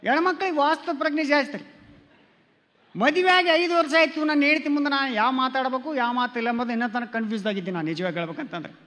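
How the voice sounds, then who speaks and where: A man doing a standup comedy routine on stage. His voice sits very high and sounds bright and sharp. He tells stories and acts out quoted exchanges with his wife, and the hall rings with a long reverb. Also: quick pace. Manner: storytelling, acting out quoted dialogue with his wife. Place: stage before a live audience.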